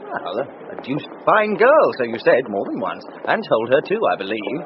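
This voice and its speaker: A brash young Victorian clerk who teases his friend in a radio drama. His mid-pitched voice swings very widely. The recording is a little muffled, with clear hiss. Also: wildly swooping pitch, moderate pace. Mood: ribbing. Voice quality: brash, ribbing. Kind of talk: period radio drama acting. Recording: dull recording with audible hiss.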